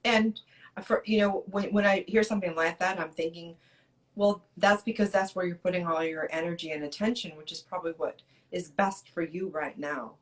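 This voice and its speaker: A woman's voice: fairly low pitch, fairly even intonation, moderate pace. A woman co-hosting a casual chat show as a sexologist, giving frank advice and laughing often. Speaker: co-host, sexologist.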